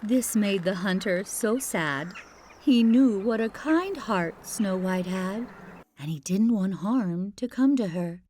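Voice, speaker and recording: A woman narrating a children's fairy tale as an expressive, playful storyteller. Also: mid-range voice, slow pace, a little hiss or hum.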